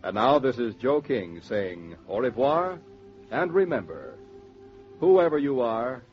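Smooth male announcer for sponsor spots, middle pitch, soft music under, old radio sound. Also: very animated, slow. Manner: smooth, polished ad delivery. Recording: dull 1940s radio transcription with music.

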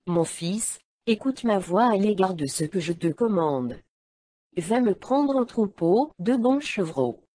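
A woman reading the lines of a scheming mother who gives her son orders, calm and measured. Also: on the low side.

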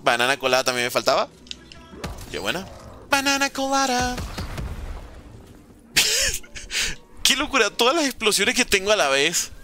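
Animated Venezuelan man streaming games. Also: high voice, faint music behind. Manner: lively, banters with chat, talks fast in bursts. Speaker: gaming streamer. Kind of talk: live gameplay commentary reading chat.

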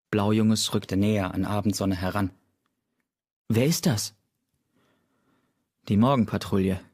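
A man reading an audiobook aloud in steady storytelling narration. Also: lowish voice, breathy edge. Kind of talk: scripted narration.

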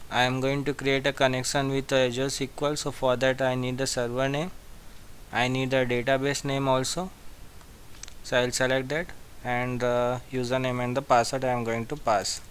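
A man giving a step-by-step software tutorial as an instructor, repeating his phrases as he goes. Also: mid-range voice, flat delivery, normal speed, a little hiss or hum. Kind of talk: screen-share software tutorial.

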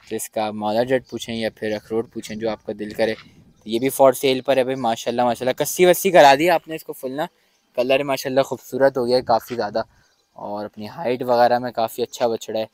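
A young man talks excitedly into a handheld mic while he walks around an outdoor cattle farm, heaping praise on the animals and repeating blessings. His voice sounds close and dry, with hardly any room sound, and sits at a middle pitch. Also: brisk, no echo. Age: young adult. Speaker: vlogger host. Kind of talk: casual farm tour and interview.

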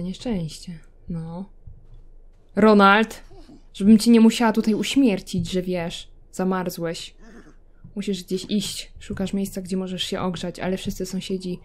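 A woman's voice: lowish voice, a little mellow. A young woman giving casual gameplay commentary, chatting to her game characters with self-mocking asides. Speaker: gameplay video creator.

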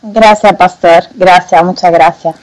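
Slow, hesitant Italian woman. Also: on the low side, steady tone, a little mellow, low-quality recording. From Italy. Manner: hesitant, many fillers and restarts. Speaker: guest. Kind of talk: phone-in interview testimony.

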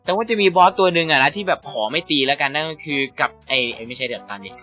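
A young man chatting casually and joking excitedly while playing a game with a friend, swearing freely. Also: on the high side, fast. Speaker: gaming YouTuber. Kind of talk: casual gameplay chat with a friend. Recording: faint game music behind.

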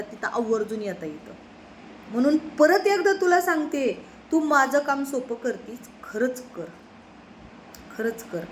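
Defiant woman with a high voice. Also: slight background noise. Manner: defiant, scolding, insistent. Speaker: social media creator. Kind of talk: direct-to-camera monologue.

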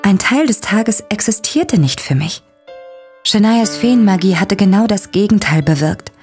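First-person audio drama narrator, a young woman voiced by a woman, tense and breathy; music in the background. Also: mid-range voice, lively intonation, measured pace, darkish tone, close to an everyday voice. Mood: shaken. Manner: dramatic, breathy, dropping to whispers. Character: young woman recounting a shocking discovery.

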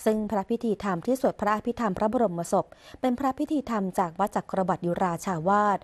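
With a mid-range voice, a woman acting as news reader delivers royal court news in formal broadcast voice-over fashion. Her measured, ceremonious and even manner holds steady throughout, scripted in rhythm like an official news bulletin.

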